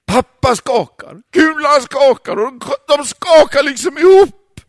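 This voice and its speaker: Guy reading a story out loud, really high voice, super dry close sound. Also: animated, dry recording. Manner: dramatic, from hushed near-whispers to loud outbursts. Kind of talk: expressive story narration.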